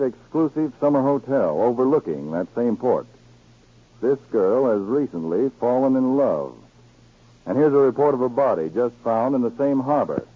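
Stern old radio g-man boss, husky, commanding, tinny 40s recording. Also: medium pitch. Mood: urgent, grave. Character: authoritative, stern male government counterspy chief. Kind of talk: 1940s radio drama acting. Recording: scratchy, narrow-band 1940s radio recording.

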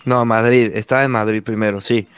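A Mexican man in his thirties, a podcast host telling his story in a relaxed chat, acting out quoted lines with lively voices. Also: lowish voice, fairly quick, smooth, dry recording. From Mexico, San Luis Potosí. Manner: animated, acts out quoted dialogue, says güey constantly. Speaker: podcast host being interviewed. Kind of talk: casual conversation.

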